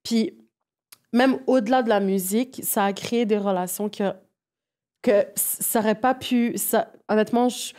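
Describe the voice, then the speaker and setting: Mellow woman chatting in slang. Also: mid-range voice, fairly even intonation, moderate pace. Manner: informal, mixes English music slang into French. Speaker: guest, music project producer. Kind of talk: casual interview storytelling.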